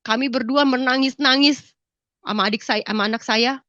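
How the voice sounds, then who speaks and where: Speaking at a normal pace in a high, sharp voice with fairly even intonation, a middle-aged woman tearfully shares her testimony in church. She sniffles, her voice cracks with grief, and she often turns to listeners as "saudara," brothers and sisters. The sound is dry, dull and low-fidelity.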